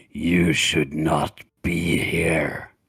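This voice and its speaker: Using a put-on character voice, a man booms with a very deep, low pitch, raspy and monotone, his intonation flat. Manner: imposing, threatening.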